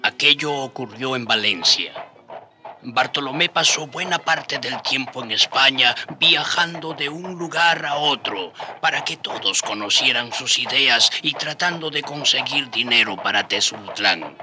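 A man's voice: mid-range voice, animated, a little slow, over music, close to an everyday voice. An actor playing an indigenous man, once a slave, who narrates his memories as a storyteller in a radio drama. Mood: admiring. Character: indigenous man, former slave, fondly recalling his travels.

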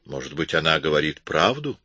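A man's voice: a bass voice, very animated, fairly quick, bright, forceful tone, slightly rough, no room sound, heavily acted. A man voicing a nervous, cautious man who speaks hesitantly. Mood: uneasy.

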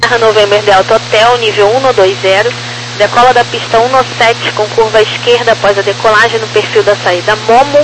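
A Brazilian woman working as an air traffic controller, reading out clearances in set phraseology over two-way radio. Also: a little high, fairly even intonation, fairly quick. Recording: humming, noisy aviation radio.

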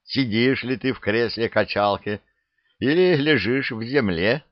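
A man's voice: mid-range voice, a little slow, dry recording, dull audio, close to an everyday voice. A man reading the part of an older veteran soldier with a dry, blunt, self-deprecating way of talking. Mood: wry. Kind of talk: audiobook character reading.

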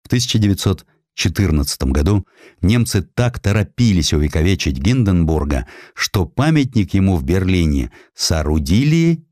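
Deep-voiced male narrator, measured delivery. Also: big pitch swings, darkish tone, no echo, studio quality. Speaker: audiobook narrator. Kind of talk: scripted dramatic narration of a historical essay.

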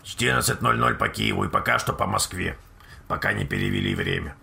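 Male streamer, low and heavily gravelly voice, swears constantly while rambling to viewers. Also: steady tone, fairly quick, sharp tone. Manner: profane, rambling, blunt. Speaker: live streamer. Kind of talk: casual live-stream chat to viewers.

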